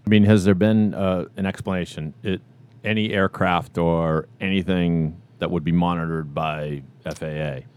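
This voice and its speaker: A man with a low, deep voice chats casually on a podcast. He asks questions in a hesitant, searching way. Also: steady tone, normal speed, darkish tone, clear, resonant tone.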